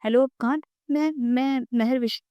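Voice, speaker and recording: A woman's voice: fairly high pitch, fairly even intonation, dry recording, muffled recording, close to an everyday voice. Woman doing a tearful, pleading young woman.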